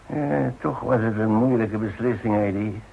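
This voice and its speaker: An actor in a Dutch radio play playing a weary, evasive older father who speaks in halting, hesitant phrases. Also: fairly low pitch, gravelly, husky. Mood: uneasy, confessing. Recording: tinny, narrow-band old radio recording.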